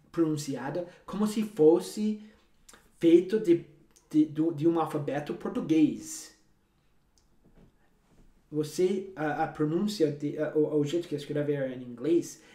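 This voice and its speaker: Speaking straight to the viewer, a man whose first language is English teaches a language lesson, pressing points with emphasis, repetition and coaxing. He has a somewhat high voice with a darkish tone, heard in a roomy, echoing space.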